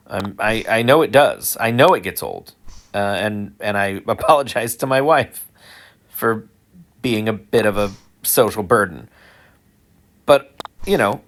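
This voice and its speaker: A middle-aged man muses aloud in a loose, unscripted monologue. He talks at an ordinary pitch for a man, restarts his sentences and lets small chuckles slip in, with a self-deprecating edge. It sounds like someone working out his thoughts as he goes. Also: fairly bright tone. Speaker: school employee sharing personal views. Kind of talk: casual monologue.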